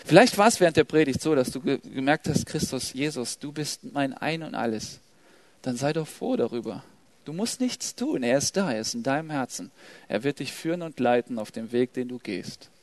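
A man preaching to young people, emphatic and urgent, then dropping to a soft, quiet prayer. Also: medium pitch, animated, brisk, no room sound. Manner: emphatic, swings from loud exhortation to soft prayer. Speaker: youth preacher. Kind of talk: sermon.

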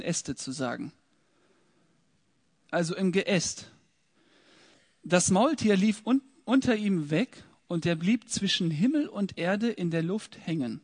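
A man teaching from the Bible, reading verses aloud and then retelling them in casual words with questions to his listeners. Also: high-pitched. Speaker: preacher.

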